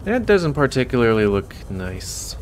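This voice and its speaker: American man with lively pitch, casual gaming commentary. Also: measured pace, slight background noise. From United States. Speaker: let's play host. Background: video game music.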